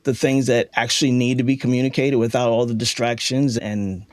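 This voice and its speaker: Male interview host, medium pitch, earnest and affirming, recorded close and dry. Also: level tone, a little fast, a little mellow, dry recording. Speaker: interview host, audio dramatist. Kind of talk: reflective interview conversation.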